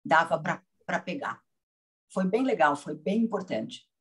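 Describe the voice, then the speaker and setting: A woman's voice: low voice, very animated, measured pace. A woman from Brazil, a patient, telling her experience in a casual roundtable, reflective and hesitant with restarts.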